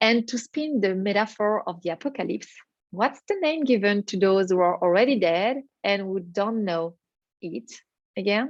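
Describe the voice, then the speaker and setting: The speaker has a French accent, lively intonation and a moderate pace. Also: woman, medium pitch for a woman. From France. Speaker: product evangelist. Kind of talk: conference presentation.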